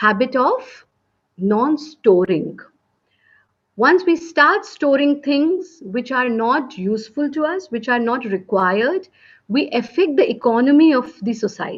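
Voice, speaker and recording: A woman with an Indian accent talks at a high pitch. Her pace is fairly slow, with very wide pitch swings. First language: Hindi. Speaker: yoga trainer and dance teacher. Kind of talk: panel talk.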